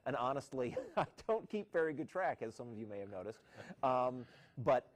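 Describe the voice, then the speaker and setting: A man co-hosting a live show, speaking at a middle pitch with a lively, animated voice. He chats casually with a wry, joking edge. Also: normal speed. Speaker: co-host. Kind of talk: casual banter.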